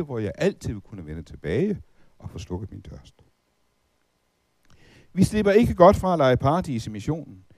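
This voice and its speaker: A middle-aged man preaching with a mellow, warm tone and a lively, swinging pitch. He asks the listeners one rhetorical question after another. The recording is dry and close, with no room sound. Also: gravelly, no room sound. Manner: lively, rhetorical questions, recites hymn verses. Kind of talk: Bible teaching talk.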